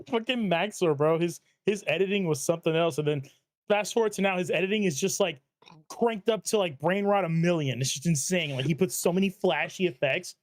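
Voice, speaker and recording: A man's voice: sits high, brisk, no echo, clean studio sound. A man bantering casually with friends during a video reaction, slangy and emphatic, often repeating his phrases.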